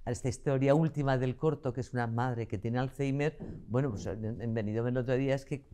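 A woman's voice: extremely low pitch, fairly even intonation, fairly quick, mellow. An older woman from Zaragoza, a guest actress telling stories at length in an interview. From Zaragoza, Spain. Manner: chatty, talkative storyteller. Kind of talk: interview conversation.

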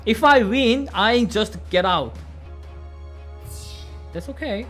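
A man in his thirties with a Korean accent, a native Korean speaker giving casual game commentary in simple, halting English. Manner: excitable, high-pitched exclamations in play, simple halting English. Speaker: game streamer. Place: indoor room at a desk, webcam beside game screen. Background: faint game music.

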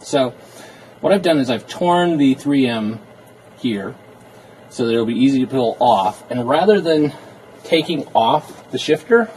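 A man in a casual how-to video, talking in a relaxed, explanatory way while he works with his hands inside a car. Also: mid-range voice, unhurried, slight background noise, low-quality recording. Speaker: car interior DIY reviewer.

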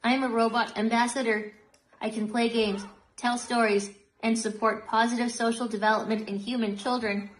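A woman's voice: fairly high pitch, level tone, normal speed, rough recording. A synthetic female-sounding robot voice giving polite, child-friendly answers to questions. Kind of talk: scripted demo answers.

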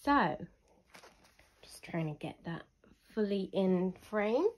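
A young woman with a husky voice from illness, giving a chatty, unhurried review with frequent ums. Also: medium pitch, animated. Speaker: hobby reviewer. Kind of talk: casual product review voice-over.

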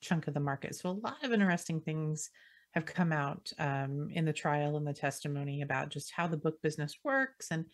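A woman co-hosting a podcast in casual chat, explaining things in a steady, knowledgeable way. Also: deep voice, a little fast. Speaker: podcast co-host.

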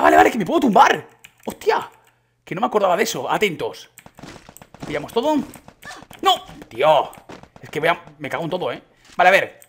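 A young man with a Spain Spanish accent giving casual, excitable commentary on his gameplay, chatting to his viewers and breaking into sudden shouts. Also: high voice, slightly rough. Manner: chatty, addresses viewers as chicos. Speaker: gaming YouTuber.

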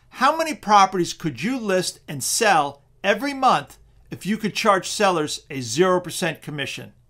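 High-voiced man giving a persuasive pitch. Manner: steady, persuasive sales pitch. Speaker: real estate auction presenter. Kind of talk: scripted webinar narration.

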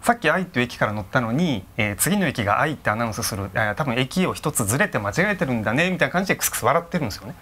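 A middle-aged man tells a ghost story in a conversational way. His pitch swings dramatically up and down, and his phrases come quickly, broken by suspenseful pauses. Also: very animated, sharp tone. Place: dark studio, seated round candlelit tables.

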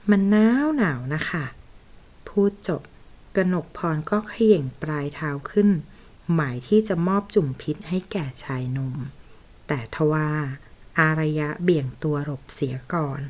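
A woman reads a romance novel aloud in a low voice. Her delivery is steady and even, keeping the story flowing. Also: a little slow. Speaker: audiobook narrator. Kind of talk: scripted novel narration.

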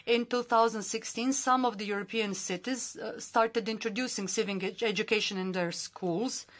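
A woman simultaneously interprets formal conference speeches in a medium-pitched voice. Her delivery is steady and formal, with many filler pauses.

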